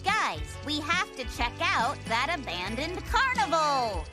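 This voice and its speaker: A woman's voice: sits high, big pitch swings, a little slow, over music. A woman voicing a sassy young female ghost hunter from a cartoon. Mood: exasperated.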